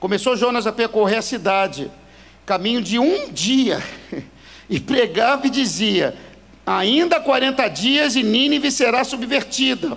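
Extremely high-pitched for a man, this animated speaker moves at a fairly slow pace with ordinary pitch variation. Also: very even loudness. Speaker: visiting pastor. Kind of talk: sermon to a church congregation. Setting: church with congregation. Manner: animated, emphatic preacher, stressing key words; direct, audience-engaging, asks rhetorical questions.

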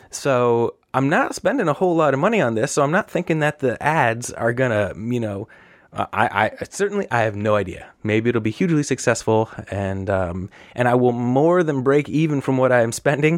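With lively intonation and very even loudness, a man speaks at a medium pitch and moderate pace in a very clean recording with a silent background. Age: 30s. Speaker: podcast host. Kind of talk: casual monologue. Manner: halting.

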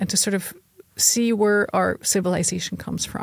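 In a very clean recording with a silent background, a woman's voice comes across somewhat breathy. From Switzerland (Zurich). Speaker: consultant and former foundation president. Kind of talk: interview.

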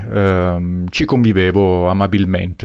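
A man speaks in a monotone with flat intonation at a fairly low pitch. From Settimo Torinese, near Turin, northern Italy. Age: 40s. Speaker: contemporary art curator. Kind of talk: recorded interview monologue.

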